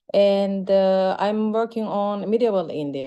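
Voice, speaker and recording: A woman speaks at a fairly slow pace with a Turkish accent. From Turkey. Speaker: language teacher. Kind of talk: self-introduction. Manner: halting.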